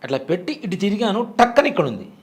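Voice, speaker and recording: A man's voice: high voice, very animated, fast. A man in his forties, a temple priest, telling a personal story in a casual interview with vivid, earnest detail. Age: 40s. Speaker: temple priest and devotional guest.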